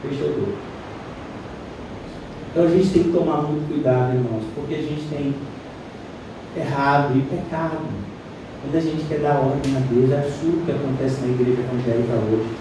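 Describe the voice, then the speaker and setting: A man with a Brazilian Portuguese accent preaching a lively, conversational sermon as a pastor, often mimicking other voices. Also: mid-range voice, a little fast, background noise. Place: church hall. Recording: distant, very echoey church hall.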